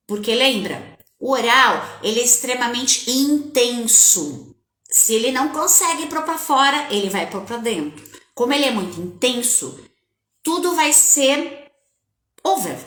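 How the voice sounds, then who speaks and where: Woman coach, conversational live talk to viewers, higher voice with lively swings, roomy echo. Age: adult with a child. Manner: animated, conversational, addresses viewers directly. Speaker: parenting coach. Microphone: webcam or phone on a live stream. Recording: echoey room.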